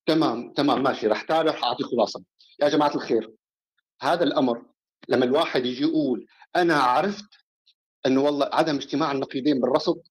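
A man's voice: on the high side, husky, low-quality recording. A man with a Levantine accent in an informal live debate, pressing his point repetitively and cutting in.

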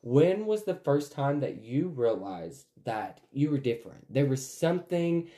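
A man in his twenties with a medium-pitched voice hosts a casual podcast. He talks candidly and tells his stories in an animated, conversational way. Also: measured pace. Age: 20s. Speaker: podcast host. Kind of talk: casual personal chat.

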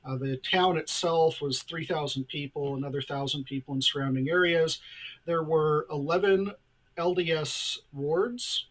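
Thoughtful man, a somewhat high voice. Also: steady tone, fairly bright tone, rough recording. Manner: measured, thoughtful, with hesitations. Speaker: guest scholar. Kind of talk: interview answers.

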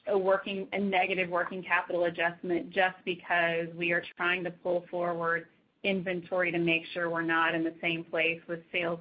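A woman executive answering questions on an earnings call in a measured, matter-of-fact manner. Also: lowish voice, slight background noise. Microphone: conference call. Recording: dull, lo-fi conference call line.

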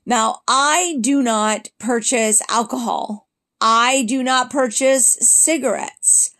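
A woman's voice: fairly high pitch, slow pace, fairly bright tone. A middle-aged woman hosting a solo podcast, talking bluntly and with exasperation in casual chat. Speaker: podcast host.

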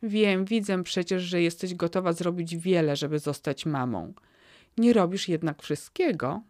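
A woman voicing a gentle, kind fairy who speaks softly and soothingly, in a spoken fairy tale. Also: lowish voice, unhurried, dry recording, clean studio sound, close to an everyday voice. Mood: encouraging. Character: gentle kindly female fairy, warm and wise.

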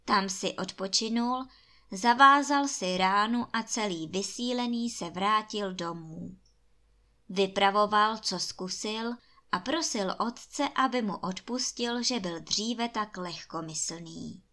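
A woman reads a fairy tale aloud to children, telling it calmly and at a measured pace. Her tone is bright and forward, and she eases toward a soft bedtime close. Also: mid-range voice. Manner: calm, measured storytelling. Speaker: storyteller. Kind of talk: children's bedtime story reading.

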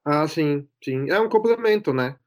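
A man's voice: a little high, lively intonation, normal speed. Brief: thirties São man, guest, chatty, easy laughs, loose fillers. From São Paulo, Brazil. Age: 30s. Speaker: podcast guest. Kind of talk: casual chat.

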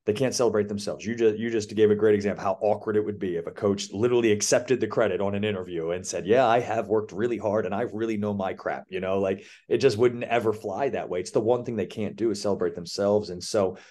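Low-voiced man explaining confidently. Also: fast, few pauses, dark tone. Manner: confident, explanatory, speaks in flowing points. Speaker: guest, athletic director. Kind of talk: casual interview answer.

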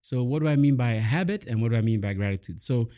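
Upbeat guy host talking mindset stuff, quick and chatty. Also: medium pitch, warm tone. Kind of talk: casual chat.

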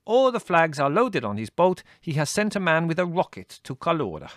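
A woman's voice: low-pitched, sing-song, normal speed, no echo, clean studio sound, pitched above the performer's own voice. A man reading aloud and voicing a waspish, worldly woman who drawls with arch theatrical flair. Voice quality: arch, drawling, sprinkled with French.

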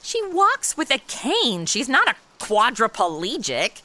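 A woman's voice: a little high, wildly swooping pitch, slow pace, pushed and bright, slight background noise, heavily acted. A woman playing a brash, flippant twenty-something amateur detective in a comedy audio drama, with sassy, slangy delivery. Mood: wry. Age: 20s. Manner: sassy, slangy, self-absorbed wisecracking. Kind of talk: comedy audio drama acting with wry narration.

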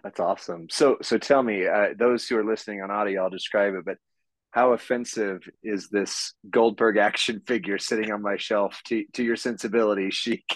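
A man's voice: on the low side, normal speed, no room sound, low-quality recording. Male podcast host, friendly and casual, dry recording. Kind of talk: casual chat.

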